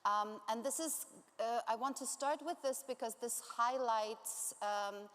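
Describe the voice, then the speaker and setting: A woman's voice: a little high, unhurried, fairly bright tone. A woman from Zambia giving a conference talk as a climate campaigner, speaking hesitantly with many ums and uhs. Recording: long reverb of a large hall.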